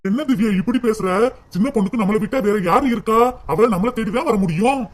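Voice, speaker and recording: A man's voice: high-pitched, fast. A man voicing a dutiful grown son and husband who soothes his family with repeated coaxing in a cartoon. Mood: soothing. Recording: clear hiss under the voice.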